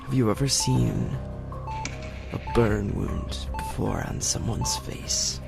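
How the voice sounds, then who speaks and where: Slow, creepy, gravelly young killer. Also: male voice, lowish voice, music in the background, exaggerated voice. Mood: wounded menace. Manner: slow, menacing, breaking into whispers. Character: sadistic disfigured young male killer, creepy and taunting. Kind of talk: horror audio drama acting.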